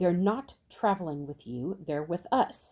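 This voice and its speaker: A woman's put-on character voice, growling and fairly low in pitch, at a fairly slow pace, on a very clean recording with a silent background. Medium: read story. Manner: cold, menacing.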